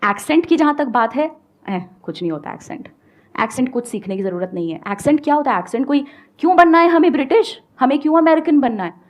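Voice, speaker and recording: Brief: confident Indian-accented woman, slightly high voice, emphatic motivational talk to an audience. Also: animated, fast talker, highs cut off. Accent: Indian English. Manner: emphatic, mixing Hindi and English. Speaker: guest speaker.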